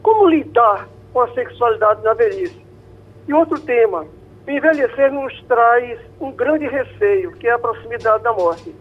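A man, calling in to a radio show. He is courteous and chatty and repeats words as he gets going. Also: very high voice. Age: 60s. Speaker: radio caller. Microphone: telephone. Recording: tinny phone line.

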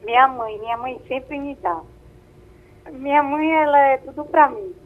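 A woman's voice: high-pitched, measured pace. A woman calling in to a radio show over a landline phone. She talks casually and often tags phrases with a questioning "né?". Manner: soft-spoken, often ends phrases with a questioning "né?". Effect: heard over a landline phone. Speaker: caller. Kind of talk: casual call-in chat. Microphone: telephone handset. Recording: tinny, narrowband phone line.

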